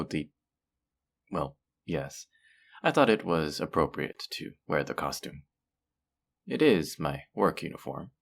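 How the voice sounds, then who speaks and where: A man's voice: very deep voice, vocal fry, fairly bright tone, exaggerated voice. A man playing a feared supervillain in an audio roleplay, theatrical and businesslike, with a dry, politely condescending manner. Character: feared male supervillain, theatrical yet businesslike and dryly amused. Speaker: supervillain interviewing a job applicant. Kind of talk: audio roleplay acting, addressing the listener.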